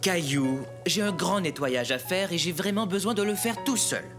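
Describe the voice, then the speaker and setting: A man's voice: high voice, moderate pace, music in the background, natural voice. A man playing a busy, mild-mannered father in a children's cartoon. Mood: firm, harried. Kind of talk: cartoon dub acting.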